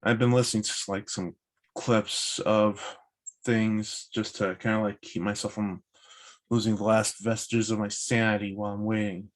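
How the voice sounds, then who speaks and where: A man in his thirties chatting casually on a video call, halting and often repeating himself. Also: lowish voice, level tone. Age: 30s. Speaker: participant in a virtual table read. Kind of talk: casual chat before a script read.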